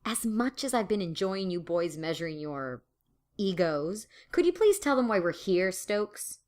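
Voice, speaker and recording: A woman's voice: fairly low pitch, very animated, measured pace, a little mellow. A woman playing a blunt, exasperated female student who narrates and acts in an audio drama, with a dry sardonic manner. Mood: weary, irritated. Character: exasperated, sarcastic female student, narrator of her own story.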